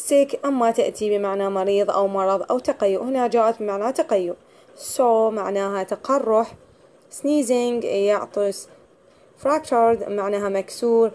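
A woman teaching a class, reading English sentences slowly and then explaining each one in detail. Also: medium pitch, mellow. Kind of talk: explaining a lesson.

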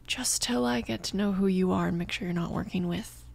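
Woman playing a gently protective mafia boss, creaky voice. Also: on the low side. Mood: flustered, gentle. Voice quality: soft, creaky, breathy whispering at times. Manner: hesitant, reassuring, halting. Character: protective young female mafia boss, tender, flustered, apologetic. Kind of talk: ASMR romance roleplay, often whispered.

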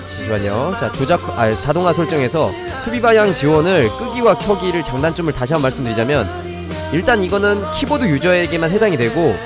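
A man's voice: a little high, very animated, fairly quick. A man doing live game commentary and tutorial as a streamer, talking to his viewers over music. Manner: talks to viewers, thanks donors. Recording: music behind the voice.

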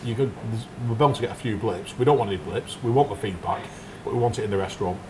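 In a restaurant dining room, a restaurant owner gives a casual interview on a lapel mic, answering in a blunt, firm, matter-of-fact way. His voice is on the low side and fast, with a noisy background.

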